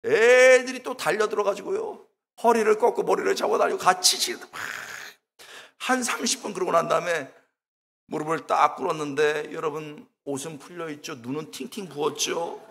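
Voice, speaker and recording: A middle-aged man preaching a revival sermon, telling his story with swings from loud, pleading calls to hushed, slow words. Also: fairly high pitch, vocal fry. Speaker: guest preacher at a revival service. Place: church sanctuary. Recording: long reverb of a church hall.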